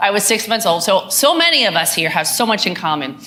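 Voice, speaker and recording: Fairly quick female speech amid noticeable background noise and audible room echo. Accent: Philadelphia. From Philadelphia, US. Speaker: business owner and speaker. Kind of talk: fireside chat on stage. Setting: stage with audience. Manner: animated.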